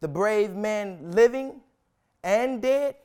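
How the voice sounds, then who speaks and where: A young man reciting a historic speech as solemn, dramatic oratory, with deliberate, emphatic phrasing and long pauses. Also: sits high, lively intonation, darkish tone, clean tone. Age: young adult.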